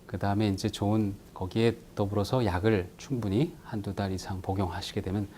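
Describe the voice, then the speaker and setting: A middle-aged man, an orthopedic doctor, explaining treatment and stretching exercises in a calm, measured way as a studio guest. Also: lowish voice, a little hiss or hum. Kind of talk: explanatory medical talk.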